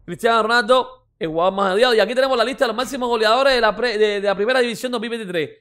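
Reaction host, male, high-pitched and quick, mocking and rambling with slang. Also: fairly bright tone. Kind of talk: excited casual reaction commentary.

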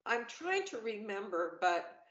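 A woman's voice: mid-range voice, big pitch swings, a little slow, a bit bright. A middle-aged woman chatting on a video call, upbeat and talkative, with many fillers and restarts. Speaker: panel guest. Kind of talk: casual video-call chat. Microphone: video call webcam. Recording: roomy, dull webcam audio.

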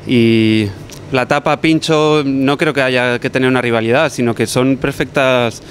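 A young man from Barcelona answers an interviewer's handheld mic in a restaurant kitchen. He talks in a relaxed, thoughtful way, often restarting his sentences. A faint hum of kitchen ambience sits behind him. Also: mid-range voice, unhurried. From Barcelona, Spain. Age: young adult. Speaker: chef. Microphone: handheld mic held by interviewer.

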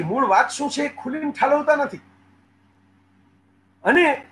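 A man's voice: high-pitched, fairly bright tone, a little hiss or hum, poor audio. A middle-aged man giving a motivational storytelling talk, earnestly speaking to his viewers. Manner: earnest storyteller, quoting dialogue in the speakers' voices; addresses viewers directly.

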